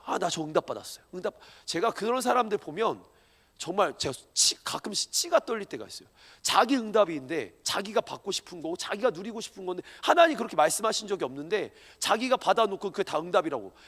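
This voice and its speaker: A male pastor preaching a sermon to young adults in a church hall, swinging from loud emphatic lines to hushed ones. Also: high voice. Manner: animated, swings from shouting to hushed.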